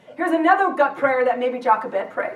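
A woman talks in an animated tone with very wide pitch swings. Audible room echo surrounds her voice. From Hawaii, Honolulu. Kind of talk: sermon. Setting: church with audience. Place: church.

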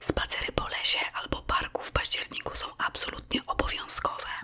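Noticeable background noise is present. A woman whispers at a moderate pace. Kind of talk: casual talk to camera. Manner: whispered.

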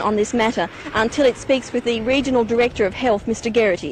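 A woman talks at a high pitch with ordinary pitch variation. The sound is dry with no echo, over light background noise. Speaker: TV news reporter. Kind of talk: news report piece to camera. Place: street. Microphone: handheld.

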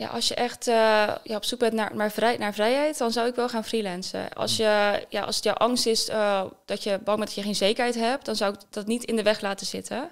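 Over a quiet background, a woman speaks at a moderate pace with hardly any pauses. Her pitch is fairly high and her intonation fairly even. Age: 20s. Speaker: freelance SEO specialist; interview guest. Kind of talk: interview. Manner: halting. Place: studio. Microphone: studio mic.

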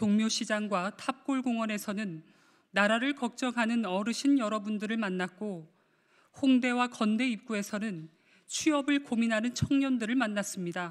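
Here a woman speaks at a moderate pace with a fairly high pitch. Her pitch varies in an ordinary way, over a quiet background. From South Korea. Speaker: politician, party leader; politician. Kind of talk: resignation speech at press conference. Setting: press room at the National Assembly. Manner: formal. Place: hall. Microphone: podium.

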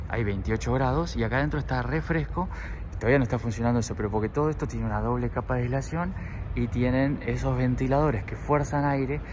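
A man with a fairly low pitch speaks at a very fast pace amid noticeable background noise. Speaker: travel vlogger. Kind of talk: casual vlog chat. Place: factory. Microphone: phone near.

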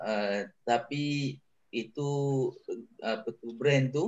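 This voice belongs to a man. He speaks with a Malaysian accent. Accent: Malaysian Malay. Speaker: food factory operations director. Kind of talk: panel discussion. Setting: video call. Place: office. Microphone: video call.

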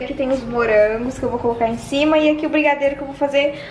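Her high voice holds a fairly even intonation, with light background noise and audible room echo around the woman. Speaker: family vlogger. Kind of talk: casual vlog chat. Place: kitchen. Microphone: phone near.

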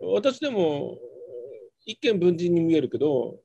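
Very slow delivery with very wide pitch swings, a dark, mellow tone and a quiet background. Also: man. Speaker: researcher; history lecturer. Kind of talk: casual discussion. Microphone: webcam.

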